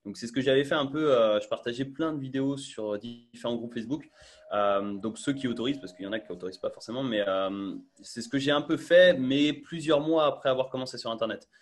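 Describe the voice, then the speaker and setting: A man's voice: medium pitch, fast. A young man talking casually as a guest on a video call, with many fillers and restarts, through an earphone mic. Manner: chatty, full of fillers and restarts. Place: small bright room indoors.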